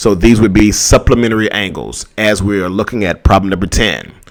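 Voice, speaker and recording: Speaking with a Southern US accent, a man talks in an animated tone at a moderate pace. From Texas, Houston. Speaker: math tutor. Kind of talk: live-stream lecture. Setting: live stream.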